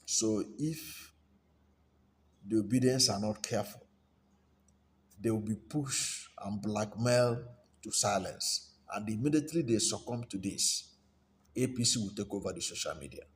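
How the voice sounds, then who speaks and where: Nigerian male commentator, lowish voice, deliberate and halting off-the-cuff delivery, noticeable background noise. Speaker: political commentator. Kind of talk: unscripted political commentary. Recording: steady background noise, room ambience.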